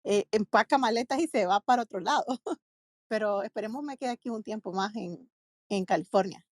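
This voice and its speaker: A woman's voice: mid-range voice, moderate pace, no room sound, clean studio sound. A woman in her forties from Nicaragua, co-hosting a podcast and chatting in a friendly way about her life. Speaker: podcast co-host. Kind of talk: casual chat.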